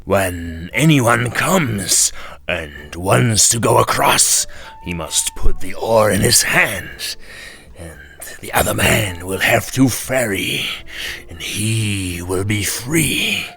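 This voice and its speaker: A man voicing a gruff, ill-tempered male devil in a storybook reading, with slow, drawn-out, loud delivery. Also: fairly low pitch, wildly swooping pitch, faint music behind, full character voice. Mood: scornful.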